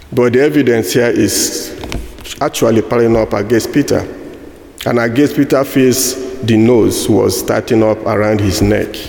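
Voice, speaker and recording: A man with a Nigerian accent speaks at a moderate pace in a medium pitch, with fairly even intonation and noticeable background noise. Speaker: preacher. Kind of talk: sermon. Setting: church.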